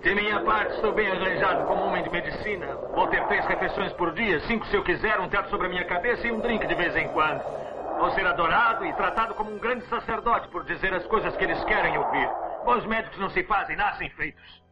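A man's voice: sits high, quick pace, heavy background noise, close to an everyday voice. A man dubbing a chuckling old prospector. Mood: contented. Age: older. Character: old prospector turned village medicine man, amused. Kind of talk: dubbed film dialogue. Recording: lo-fi film clip with loud score.

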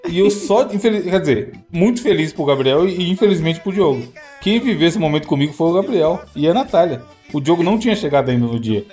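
Animated man telling stories. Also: a little high, fast talker, hardly any pauses, faint music behind. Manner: animated storyteller, slangy and profane, laughs often. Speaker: podcast host. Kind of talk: casual podcast chat.

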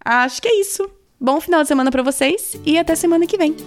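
A woman's voice: high-pitched, animated, quick pace, soft background music. A woman hosting a podcast, talking casually and chattily with frequent laughs and asides. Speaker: podcast host. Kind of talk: casual chat.

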